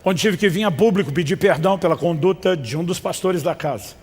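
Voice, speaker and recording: A man's voice: high-pitched, quick pace, husky, in a large hall. A man from Brazil preaching a sermon as pastor, emphatic and calling on the congregation to respond.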